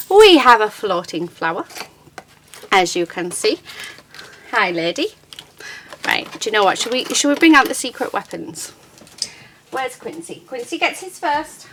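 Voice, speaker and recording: A woman's voice: mid-range voice, bright, forceful tone, a little hiss or hum. A woman hosting a casual, chatty craft demonstration at a desk, with an enthusiastic, chirpy manner. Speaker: crafting channel host.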